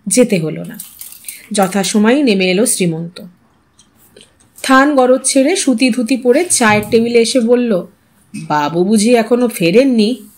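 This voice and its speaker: A woman storyteller narrating literary fiction in an expressive style. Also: fairly high pitch, a little slow, long pauses.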